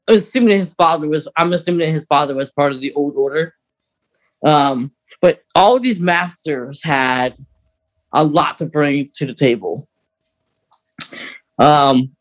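A man co-hosting a podcast, chatting casually and informally as an enthusiastic fan of sci-fi books. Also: on the high side. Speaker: podcast co-host.

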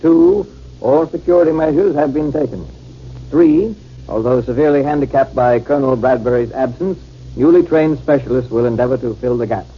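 An actor playing a dutiful, efficient military aide in a 1950s radio drama, speaking formally. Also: male voice, mid-range voice, a little fast, natural voice. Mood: formal, eager. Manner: formal, crisp reading. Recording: dull, noisy old radio recording.

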